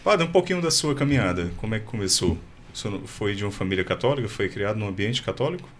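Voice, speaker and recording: A man hosting a podcast in a studio, interviewing a guest in casual chat and quickly agreeing with him. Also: on the low side, lively intonation, a little hiss or hum. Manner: affirming, quick to agree and laugh along. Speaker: podcast host.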